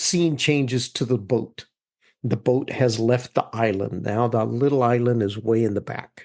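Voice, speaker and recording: A man's plain, everyday voice, medium in pitch, with fairly even intonation. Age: 60s. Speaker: father of the co-hosts, podcast guest regular. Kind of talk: casual chat, storytelling.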